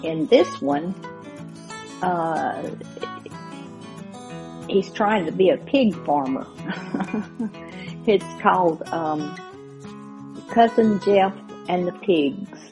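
A woman hosting casually and without a script, in a folksy, halting way. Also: fairly low pitch, lively intonation, vocal fry. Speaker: radio show host. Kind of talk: casual, unscripted introduction. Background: faint guitar music.

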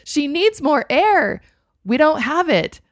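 A woman putting on a frantic emergency medic, her voice pushed high and loud with panic. Urgent and commanding, every word a plea to keep a patient alive. The sound is dry and close. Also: sing-song, takes it slowly, dry recording, heavily acted. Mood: urgent, panicked. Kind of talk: acted quote in a spoken story.

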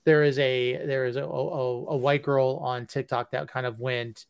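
A man co-hosting a podcast in casual chat, speaking haltingly with many restarts and fillers. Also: mid-range voice, flat delivery, gravelly, clear, resonant tone, dry recording, studio quality. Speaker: podcast co-host.

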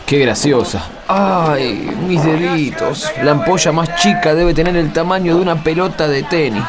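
A man's voice: fairly high pitch, normal speed, over music, close to an everyday voice. An actor playing a tired, complaining and teasing male pilgrim in a radio play, with an Argentine accent and colloquial banter. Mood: whining.

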